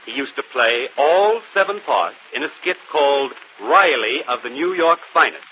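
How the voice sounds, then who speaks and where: Man acting calm clever detective walking through the solution, lively pitch, muffled radio hiss. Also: lightly acted. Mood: explaining. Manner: measured, explanatory, self-assured. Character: brilliant gentleman detective, calm and confident. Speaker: detective and show host. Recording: muffled old radio broadcast, faint hiss.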